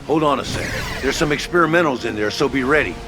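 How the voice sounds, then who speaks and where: A man voicing a brisk HQ officer in a war game, barking blunt orders at a mid-pitched, even voice. Loud music runs under him the whole time. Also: close to an everyday voice. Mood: commanding. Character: gruff male military HQ radio officer. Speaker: military headquarters officer.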